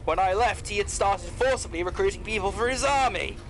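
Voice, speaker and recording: A man's voice: high-pitched, a little fast, slight background noise. An actor playing a polite, loyal clockwork man who explains things formally in an audio drama. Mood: matter-of-fact. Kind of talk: scripted audio drama acting.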